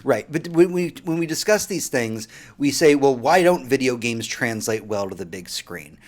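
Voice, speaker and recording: A man's voice: medium pitch, expressive, moderate pace. Male host, casual panel chat, long rambling turns, mid-range voice. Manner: rambling, restarts often, steers discussion. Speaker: podcast host.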